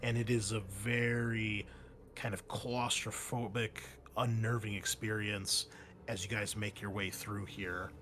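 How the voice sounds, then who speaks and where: A man narrating a tabletop roleplaying game as game master, in a halting, descriptive, conversational way. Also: lowish voice, little pitch movement, a bit bright, a little hiss or hum.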